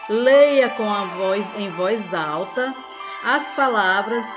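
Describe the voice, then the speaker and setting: Brazilian woman teacher, mid-pitched, slow and patient with small kids, dull lo-fi sound. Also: expressive, music in the background. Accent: Brazilian Portuguese. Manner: slow, patient, repeats each step with "certo?". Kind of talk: recorded remote class for young children. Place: at home, phone nearby.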